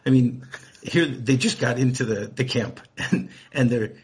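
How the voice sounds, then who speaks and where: A man's voice: medium pitch, measured pace, slightly rough. A man co-hosting a movie podcast, rambling as he thinks aloud, often repeating words and chuckling. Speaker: podcast co-host. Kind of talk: casual podcast chat.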